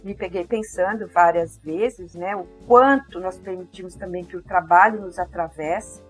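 A woman's voice: on the low side, breathy edge, soft background music. Thoughtful older woman with caipira accent. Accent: caipira accent of interior São Paulo, with a strong R. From interior of São Paulo state, Brazil. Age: 50s or older. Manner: thoughtful, pausing to search for words. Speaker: interview guest. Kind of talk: reflective personal conversation.

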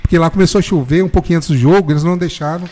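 A man telling an animated, slangy story in casual chat, peppering it with "velho". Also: on the high side, very fast. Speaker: football fan telling a story.

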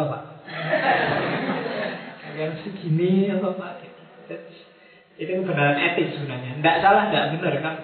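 A man giving a casual, joking lecture to a university class, speaking to the students directly. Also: high-pitched. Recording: distant mic, tinny, very echoey room.

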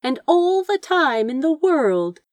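Expressive woman storyteller, widely swooping pitch. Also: slow pace, no room sound. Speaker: audiobook reader of fan fiction. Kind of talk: dramatic scripted narration, fiction read aloud.

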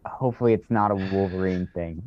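A man's voice: low-pitched, brisk. A man co-hosting a casual podcast over a video call from his basement, talking with hesitant restarts. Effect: video call audio. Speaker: podcast co-host. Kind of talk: casual chat. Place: home basement. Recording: dull lo-fi dry video call.

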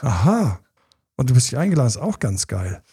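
Guy talking candidly about his past, lots of ums, gravelly dark voice. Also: medium pitch, sing-song, fairly quick. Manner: candid, many fillers, emphatic repetitions. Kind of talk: casual personal storytelling.

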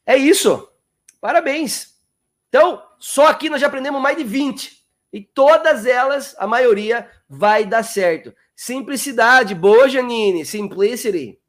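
A very high-pitched man with an expressive, fairly bright tone runs a live-stream English lesson. He chats and coaxes, says words slowly and repeatedly to show pronunciation, and greets viewers by name.

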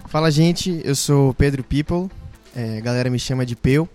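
A young man, talking in a relaxed, slangy way as a podcast guest. His voice sits at a middle pitch, with faint music behind him. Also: moderate pace. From Salvador, Brazil. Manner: casual and slangy.

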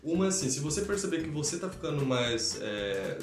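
A man's voice: fairly high pitch, very animated, fairly quick. A Brazilian man hosting a live stream, explaining through everyday examples in a casual conversation about teaching children. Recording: echoey room with faint music.

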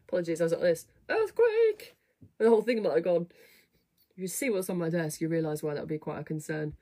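A woman hosting a fitness studio livestream, chatting casually to viewers in a slightly croaky, rough voice, rambling with lots of fillers. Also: on the low side, lively intonation, brisk, pauses often, warm tone. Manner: chatty, rambling, self-deprecating, many fillers. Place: home, at a desk. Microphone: webcam or computer mic at a desk.

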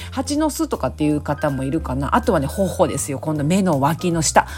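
Female solo host, hoarse and raspy, on the low side, polite chatty monologue, faint music behind. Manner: polite, chatty, frequent softening particles. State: hoarse, raspy voice from drinking the night before. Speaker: host of a snack-bar themed talk show. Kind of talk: casual solo chat monologue.

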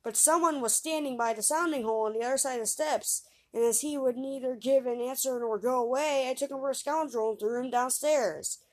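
A bold, simple young lad from a fairy tale, voiced by a woman reader, earnest and blunt in a raised, youthful pitch. He speaks plainly and stubbornly, with no fear in him. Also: brisk, few pauses, a little mellow.

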